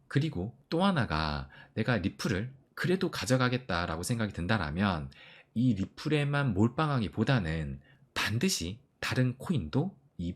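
A man hosting an investing channel, talking earnestly to viewers with frequent filler pauses. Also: medium pitch. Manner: earnest, advising, many "eo" fillers. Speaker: crypto investing channel host. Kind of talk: solo talk to viewers.

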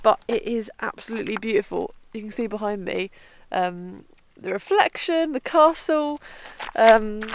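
A woman's voice: medium pitch, measured pace. A young woman narrating a road-trip vlog, enthusiastic and repeating words for emphasis. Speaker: travel vlogger.

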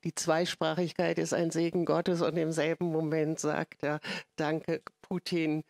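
Older female moderator, very low voice, dry sound, thoughtful questions. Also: flat delivery, unhurried, vocal fry, a little mellow, dry recording. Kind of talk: panel discussion. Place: stage in a small theater, indoors. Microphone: handheld microphone.

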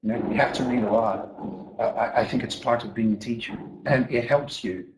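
A man from Brazil training teachers in a lively conference talk, often asking the audience questions and repeating words as he restarts. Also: mid-range voice, fairly quick, background noise. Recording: echoey room.

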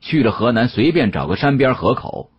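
A man with a husky voice narrating a first-person story as an expressive, scripted audiobook. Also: mid-range voice, normal speed, lo-fi sound.

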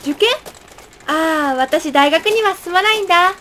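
A young woman playing a friendly, eager high-school senior girl in an amateur radio drama. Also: expressive, measured pace, bright, forceful tone, heavily acted. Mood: cheerful, friendly. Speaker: student radio drama actor. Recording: faint background ambience noise.

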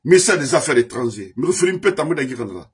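A man from Guinea giving an impassioned political monologue as a diaspora commentator. He is heated, rises to shouts and lists grievances in repeated refrains. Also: mid-range voice, very animated, quick pace, slightly rough.

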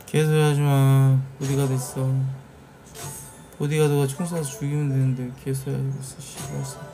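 A man in his thirties live-streaming a game from a small room, talking casually, swearing a lot and yelling at slot machine wins. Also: mid-range voice, moderate pace, soft background music, poor audio. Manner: swearing, excitable, shouts at wins. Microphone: desk mic in gaming chair, webcam framing.

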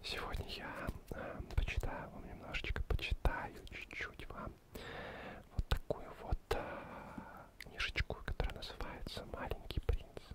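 A Ukrainian man in his thirties hosts ASMR, reading a book and chatting in a soft, breathy, indistinct whisper. He is calm, unhurried and lulling, very close to two foam-covered microphones.

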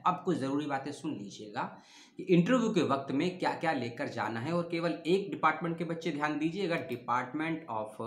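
A man of middle pitch talks in a loose, chatty way, working through long lists and stopping to fix his own mistakes out loud. He calls his listeners brother. The room around him rings with a noticeable echo. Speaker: education channel host. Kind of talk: casual informational talk reading out lists. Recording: roomy echo.

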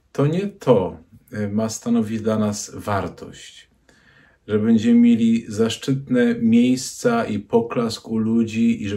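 A man in his forties, a priest, giving a short reflective homily to the camera in a small room. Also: fairly low pitch. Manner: slow, reflective, with soft hand gestures. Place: small room with a crucifix and bookshelves, indoors. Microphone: camera at close range.

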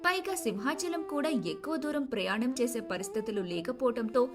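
Female story narrator, high voice, very animated intonation, telling a folk-style moral tale. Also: moderate pace, music in the background.

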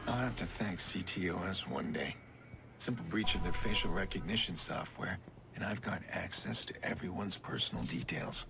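A low, gravelly brooding vigilante. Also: male voice. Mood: brooding, cool. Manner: terse, brooding, deliberate. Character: grim, brooding male vigilante hacker in an action game. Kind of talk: video game voice acting, inner monologue. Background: game music.

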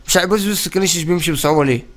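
A young man with an Egyptian accent giving excited, playful commentary while playing a game, teasing and laughing often. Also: a little high. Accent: Egyptian Arabic. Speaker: gaming channel host.

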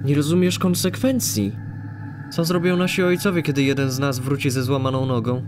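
A man voicing a grim, coldly resolute young man in a cartoon horror fan dub, solemn and deliberate. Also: medium pitch, steady tone, background noise, close to an everyday voice.

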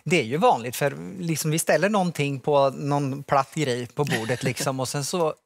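A man in his thirties, a nurse guest on a morning TV show, explaining in a relaxed way with many fillers, recorded on a lapel mic in a studio. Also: on the high side, no room sound. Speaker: pediatric specialist nurse guest.

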